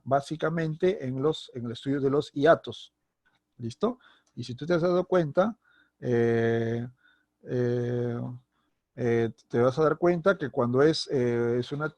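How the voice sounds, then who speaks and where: A man's voice: medium pitch, darkish tone, dry recording. A man teaching a recorded grammar lesson, explaining patiently and checking in with his student again and again. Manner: explanatory, checks in with a frequent "¿listo?"; speaks directly to the student, stressing example words. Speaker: secondary school language teacher.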